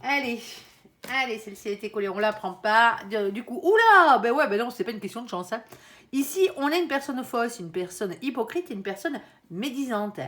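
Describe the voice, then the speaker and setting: A woman's voice: a little high, lively intonation, a little fast, fairly bright tone. A woman giving a casual, chatty tarot reading, often tagging her sentences and speaking to her guardian angel. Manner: chatty, frequent tag "hein", addresses her angel. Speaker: tarot card reader.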